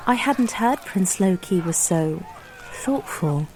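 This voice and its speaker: Coy, lowish-voiced warrior maiden. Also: female voice, lively intonation, slow pace, a little mellow, a little hiss or hum, low-quality recording. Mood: coy, admiring. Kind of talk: audio drama acting.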